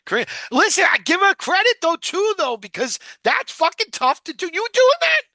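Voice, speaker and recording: Bright-voiced man, rambling and profane. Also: very high-pitched, very animated, moderate pace, no echo, clean studio sound. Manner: profane, rambling, full of fillers. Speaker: podcast host. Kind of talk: casual rewatch podcast chat.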